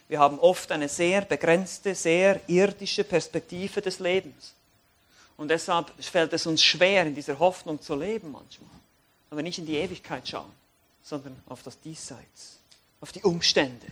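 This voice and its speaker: A man preaches and reads Scripture, his voice sitting high for a man. He drops into soft, reflective passages and then rises into loud, emphatic appeals to his listeners. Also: a little slow. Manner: animated, swings between quiet reflection and raised emphatic lines. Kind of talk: sermon with Bible reading.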